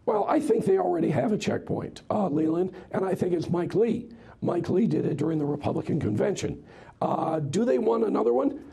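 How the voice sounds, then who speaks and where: An American man, hoarse and raspy from a cold, giving political commentary as a radio host guest in an interview. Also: high-pitched, lively intonation, a little fast, warm tone. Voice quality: husky, raspy, strained.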